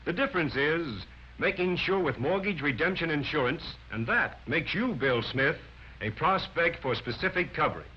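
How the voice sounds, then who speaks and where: A man's voice: on the high side, lively intonation, moderate pace, a little hiss or hum. A man narrating a 1940s sales training film, lecturing emphatically and counting off his points one by one. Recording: dull lo-fi 1940s film soundtrack.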